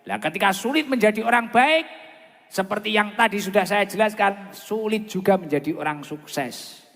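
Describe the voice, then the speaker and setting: A man's voice: moderate pace, vocal fry, a bit bright. Javanese guy preaching thru a big PA, long echo, chatty n bantering, repeats himself. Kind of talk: informal sermon with asides to the crowd. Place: large outdoor gathering, over loudspeakers. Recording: long booming reverb of an outdoor PA.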